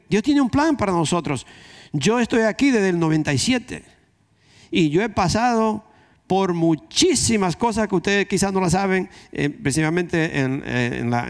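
A man with a Dominican accent preaching a conversational sermon, repeating key phrases for emphasis. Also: on the high side. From Dominican Republic.

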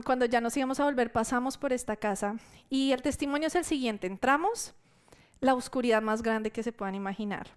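A woman preacher shares a sermon testimony with her church, telling the story in a lively way and acting out what people said. Her voice is smooth and a little high.

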